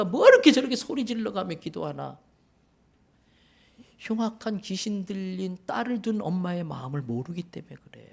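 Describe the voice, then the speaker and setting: A man preaching a sermon in church as pastor, animated, acting out quoted voices and questioning the congregation. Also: high voice, vocal fry. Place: church sanctuary.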